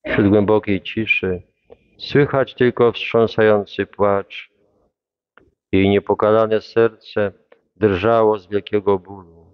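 A man reading a devotional Passion text aloud in a solemn, measured, reverent way. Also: lowish voice, steady tone, clean tone, no echo, highs cut off.

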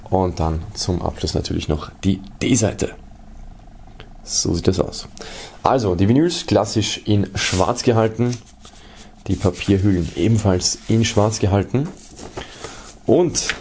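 A man presents an unboxing in a fairly low voice with plenty of vocal fry. He talks casually to viewers, describing things methodically and in order. A faint layer of ambient noise sits behind him. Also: dark tone. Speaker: unboxing video host. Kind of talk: casual product showcase commentary to viewers.

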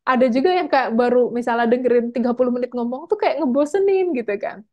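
Chatty woman mentor, higher voice. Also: fast talker, dark tone. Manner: casual, chatty, frequent tag words. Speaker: scholarship mentor. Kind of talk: giving mock interview feedback.

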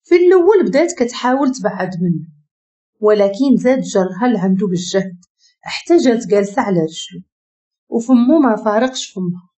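A woman with a Moroccan accent narrating a dramatic story in an expressive, emotive way. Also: medium pitch, a little fast.

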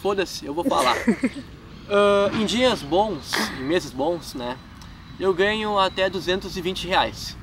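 A young man with a southern Brazilian gaúcho accent rambles casually through fan questions, his voice sitting high for a guy. He is picked up from a few feet away by a camera mic outdoors, with clear wind and traffic noise around him. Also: lively intonation, slow, distant mic. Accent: southern Brazilian gaúcho Portuguese. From Rio Grande do Sul, Brazil. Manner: chatty, lots of filler tags, laughs at himself. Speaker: gaming YouTuber. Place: outdoors in a wooded park.

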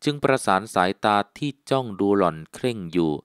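A man narrating a literary novel as an audiobook, in a measured, even way. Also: fairly low pitch, clear, resonant tone, dry recording, clean studio sound.

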